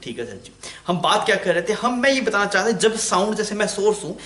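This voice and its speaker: A man's voice: high voice, expressive, quick pace, fairly bright tone. A man teaching physics in an online lecture, chatty, asking the class questions and answering them himself. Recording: echoey room.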